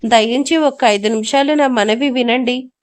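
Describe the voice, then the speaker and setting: Timid village farmhand, played by a woman, pleading and anxious, slightly high pitch. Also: moderate pace, natural voice.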